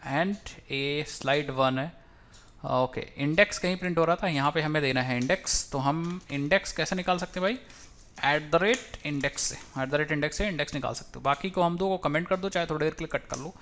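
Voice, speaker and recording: A man walks through a coding tutorial at his desk, talking casually and thinking aloud. His voice sits a little high, and he drops English technical terms into his speech. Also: normal speed, fairly bright tone. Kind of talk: screen-recorded coding tutorial.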